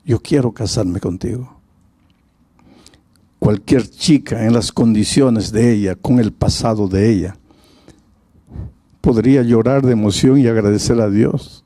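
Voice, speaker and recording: A man's voice: fairly low pitch, unhurried, dark tone, dry recording, studio quality. A male pastor preaching a sermon, telling a story in a dramatic way.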